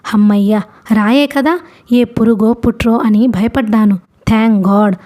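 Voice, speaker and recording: A woman's voice: a little high, fairly even intonation, slow pace, dark tone. A woman narrator voicing a worried, caring young man who searches for a lost companion and reassures her. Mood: concerned.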